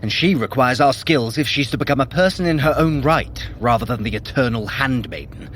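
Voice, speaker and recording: A man's voice: medium pitch, fairly quick, a bit bright, long reverb tail, slight background noise, lightly acted. An actor playing a haughty, sly male trickster god in an audio drama, wry and theatrically imperious. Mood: brisk, scheming.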